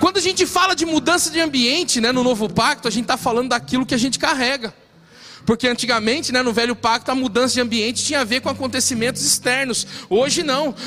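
Projecting a raised voice at an extremely high pitch, a man talks very fast with ordinary pitch variation. His loudness stays very even throughout. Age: 30s. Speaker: pastor. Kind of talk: sermon. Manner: animated.

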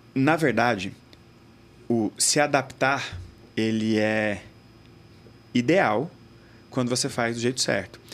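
Music plays in the background as a man speaks at a very slow pace with very even loudness. His speech has long, frequent pauses. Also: medium pitch for a man, ordinary pitch variation. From Brazil, raised in Cuiabá, Mato Grosso. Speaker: therapist and speaker, entrepreneur. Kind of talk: podcast interview. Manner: casual, slangy.

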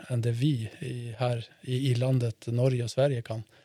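This man's voice is somewhat breathy, with a dark, mellow tone and a medium pitch. His intonation is monotone and flat, and the sound is dry and close with no echo. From Sweden, Uppsala. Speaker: farmer and chef. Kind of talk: casual interview. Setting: studio. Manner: halting.

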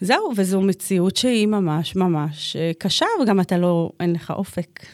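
A woman's fairly low-pitched voice with fairly even intonation, dry and close with no echo. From northern Israel, Kiryat Shmona. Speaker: school matriculation coordinator and graduate student. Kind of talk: interview.

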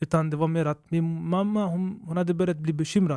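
His tone is dark and mellow, his pitch fairly high for a man. He keeps a moderate pace and a flat, monotone intonation. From Sweden, Stockholm (Tensta). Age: 20s. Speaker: podcast co-host, former Medina student. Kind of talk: casual chat.

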